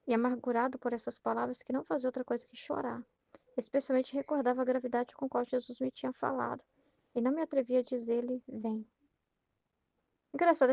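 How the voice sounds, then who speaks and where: A woman's voice: high-pitched, creaky, a little mellow, no echo. A Brazilian woman reading a devotional text aloud and commenting on it in a chatty way, often tagging her sentences with fillers. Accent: Brazilian Portuguese. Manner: conversational, many fillers like "né". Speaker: Catholic study leader.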